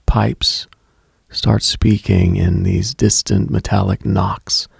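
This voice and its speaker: A man hosting late-night radio, delivering a slow, atmospheric monologue in a hushed, deliberate, husky voice that slips toward a whisper. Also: sits low, flat delivery, no echo, clean studio sound. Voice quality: gravelly, husky, breaking into whisper. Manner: hushed, deliberate, storytelling with pauses.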